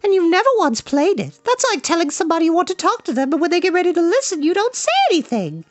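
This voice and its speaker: A man's voice: extremely high pitch, very animated, fast, dry recording, pitched above the performer's own voice. A man voicing a spirited young woman from a storybook who scolds in a pert, pointed way. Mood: pert scolding.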